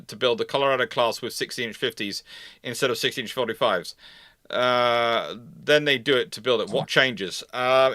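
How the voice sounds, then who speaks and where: Male history host, bright forceful voice, close dry sound, emphatic and repetitive as he reasons aloud. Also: mid-range voice, no echo. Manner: emphatic, repeats phrases, rephrases mid-sentence. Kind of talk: live question-and-answer talk on naval history.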